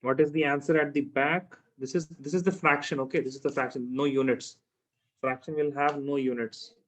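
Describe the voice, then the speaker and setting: A man's voice: medium pitch, fairly even intonation, brisk, slight background noise. A man with a South Asian accent teaching informally, repeating his phrases and often asking questions to check understanding. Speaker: chemistry teacher. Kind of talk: informal one-to-one tutoring.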